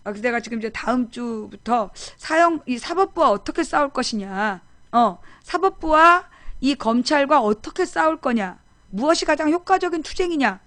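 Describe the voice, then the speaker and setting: Middle-aged woman, live-stream talk host, somewhat high voice, emphatic, repeats herself, dry close sound. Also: moderate pace, hardly any pauses, dry recording. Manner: emphatic, animated, repeats phrases for effect. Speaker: political talk show host. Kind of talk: casual live-stream monologue.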